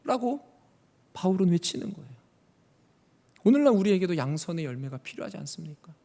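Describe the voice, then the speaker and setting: A male pastor preaching a sermon in a church, swinging between loud emphasis and hushed tones and asking his congregation questions he then answers. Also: sits high, expressive, quick pace. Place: church sanctuary. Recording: long church reverb.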